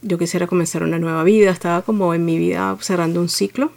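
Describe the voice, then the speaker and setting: A Venezuelan woman with a Venezuelan accent tells her story as an interview guest, reflective and steady, using frequent fillers. Her voice is lowish and creaky, and she speaks at a quick pace.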